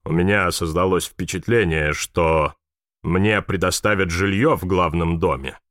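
A pompous middle-aged army sergeant speaks in a very deep, low voice, as a male narrator reads him. The tone is stiff and self-important, recorded close and dry with no room sound. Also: measured pace, fairly bright tone, no room sound. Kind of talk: audiobook reading.

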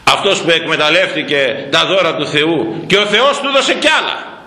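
A man, a priest, preaching a sermon as animated storytelling, asking rhetorical questions and repeating words. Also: on the high side, reverberant, rough recording. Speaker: priest, former head of a parish church.

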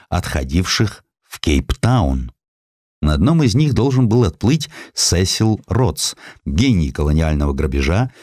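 A man reading a historical essay as an audiobook narrator, in an expressive, dramatic storytelling manner. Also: sits low, no room sound, studio quality.

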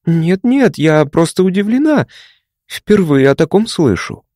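A man's voice: on the high side, very animated, measured pace, darkish tone, no echo, clean studio sound, voice pushed up. A man voicing a polite, curious young woman psychiatrist who asks careful questions.

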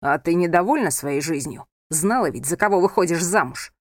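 A woman reading aloud and voicing an angry, controlling young husband who scolds his wife in a low, hard tone. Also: normal speed, dry recording, studio quality, close to an everyday voice. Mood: scolding. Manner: harsh, scolding, hard-edged.

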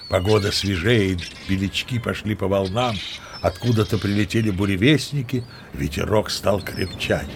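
A man's voice: fairly low pitch, vocal fry. An actor playing a boastful old sea captain who tells tall tales expressively in an audio play, savoring his words. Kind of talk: theatrical storytelling in an audio play.

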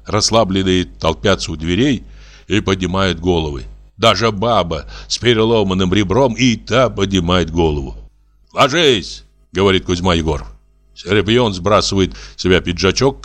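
A man reading a classic short story aloud as an audiobook narrator, in an expressive, measured way. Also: low-pitched.

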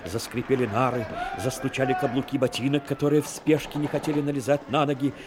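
A man narrating a Soviet war radio drama in a dramatic, measured literary storytelling manner. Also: medium pitch, fairly even intonation, background noise.

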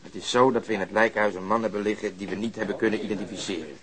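An actor playing a composed, persistent police detective in a radio crime drama, polite, firm and matter-of-fact. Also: male voice, fairly low pitch, steady tone, racing, crowd noise, lightly acted.

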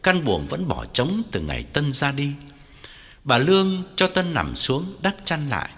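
A man's voice: a little high, huge pitch swings, a little slow, a bit bright, husky. A man narrating a story with dramatic, widely varied delivery. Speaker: audiobook narrator. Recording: long hall reverb, faint music.

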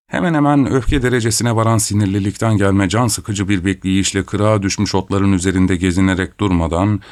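A man with a very low, deep voice reads a first-person story aloud. His delivery is steady and measured, like an audiobook narration.

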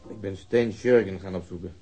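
An actor playing a dry, sarcastic male police detective with a husky voice in a radio drama. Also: low-pitched, a little fast, warm tone, natural voice. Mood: teasing. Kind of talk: 1970s radio drama acting.

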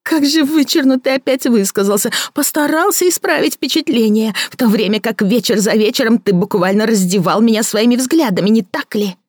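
A woman narrator voicing a bitter, jealous woman who speaks in a shrill, scornful, overwrought way. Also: fairly quick, few pauses, a little mellow, no room sound, studio quality, natural voice. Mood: accusing, scornful. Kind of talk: audiobook character voicing.

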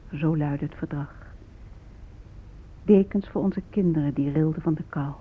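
An actress playing a bitter, grieving Native American woman, husky and restrained, in a radio drama monologue. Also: on the low side. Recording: muffled, narrow-band old radio recording.

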